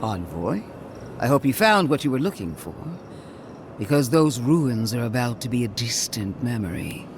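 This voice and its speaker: A man playing a stern, righteous, zealous commander with a deliberate, declamatory manner in a fantasy game. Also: mid-range voice, sing-song, background noise. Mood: stern, determined. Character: stern, zealous male commander, crusading against corruption. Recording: game audio with music behind.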